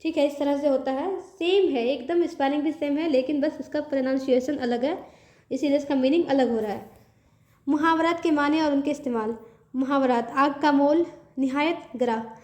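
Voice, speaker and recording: A woman's voice: high-pitched, normal speed, a little mellow. A woman teaching an online grammar lesson, reading word lists aloud and explaining them in a chatty way with English words mixed in.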